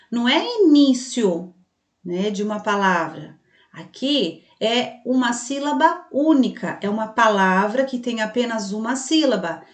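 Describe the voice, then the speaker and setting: A woman teacher walks young pupils through spelling rules in an online lesson. She goes step by step, patiently asking the children's likely questions and answering them herself. Her voice sits a little high, and the room around her echoes. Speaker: primary school teacher. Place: room with a passing truck heard outside.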